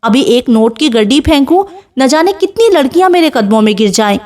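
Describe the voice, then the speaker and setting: A woman's voice: high-pitched, sing-song. A woman reading a novel aloud, voicing an arrogant, hot-tempered rich young man who speaks in a harsh, commanding way. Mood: furious.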